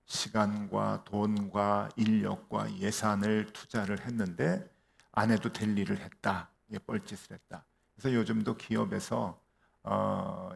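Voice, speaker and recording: 목이 갈라진 중년 남자 목사의 설교. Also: male voice, on the low side, creaky. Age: middle-aged. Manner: storytelling with fillers and rhetorical questions. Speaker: pastor. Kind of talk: sermon. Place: church.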